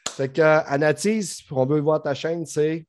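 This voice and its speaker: A man's voice: fairly high pitch, steady tone, measured pace, darkish tone, no echo, studio quality. A middle-aged man with a Saguenay Quebec French accent, hosting a casual podcast chat, joking bluntly and swearing freely. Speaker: podcast host.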